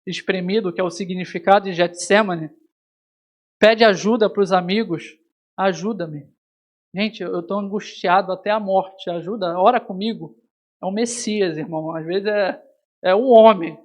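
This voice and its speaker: A man from Brazil preaching a sermon, telling a personal story and calling his listeners brother. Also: high-pitched. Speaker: pastor. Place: church hall.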